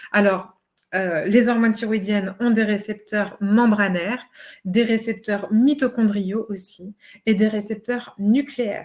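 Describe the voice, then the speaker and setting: Fairly high in pitch and somewhat breathy, a woman speaks at a very slow pace with fairly even intonation. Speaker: naturopath and trainer. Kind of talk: webinar lecture. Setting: online webinar. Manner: hesitant fillers.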